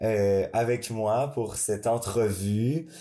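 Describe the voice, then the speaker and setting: The man's voice has a dark, mellow tone. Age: 20s. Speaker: actor. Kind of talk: interview.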